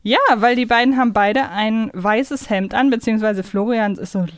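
A woman's voice: on the high side, normal speed, no echo, studio quality. A woman co-hosting a podcast in casual conversation, often searching for words as they talk. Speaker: podcast co-host. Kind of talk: casual chat about a children's audio series.

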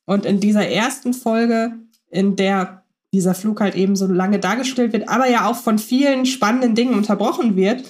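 A woman's voice: mid-range voice, darkish tone. A woman co-hosting a podcast, talking thoughtfully and analytically with some fillers. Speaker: podcast co-host. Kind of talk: casual chat.

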